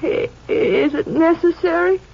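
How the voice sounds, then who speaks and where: An actress playing a grieving, gracious sheriff's widow, gentle, folksy and hesitant, in 1950s radio drama style. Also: female voice, extremely high pitch, a little slow, vocal fry, full character voice. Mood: sorrowful. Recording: dull vintage 1950s radio recording.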